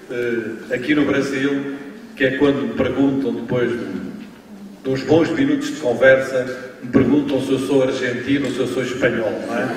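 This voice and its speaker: A man from Portugal with a European Portuguese accent, giving a university lecture in a slow, emphatic way, often adding tag questions. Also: mid-range voice, a little hiss or hum. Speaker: guest lecturer. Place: large lecture hall. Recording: distant, echoey hall recording with faint ambience.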